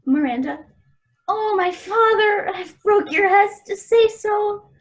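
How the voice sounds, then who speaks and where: High-voiced innocent young maiden played by a woman. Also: slow pace. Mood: shy, tender. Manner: earnest formal verse delivery. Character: Miranda, innocent earnest lovestruck young maiden. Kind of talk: Shakespeare radio-play acting.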